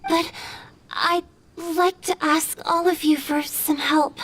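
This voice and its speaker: A woman voicing a gentle, wistful female water spirit who speaks softly and earnestly in video game dialogue. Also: very high voice, steady tone, slow, exaggerated voice. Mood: resolved. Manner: soft, earnest, confiding.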